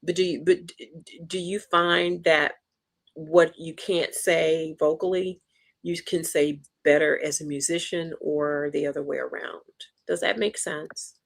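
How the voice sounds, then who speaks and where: A woman hosting a casual interview, enthusiastic and quick to exclaim in wonder. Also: low voice, fairly even intonation, creaky. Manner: enthusiastic, exclaims and laughs often. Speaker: podcast host.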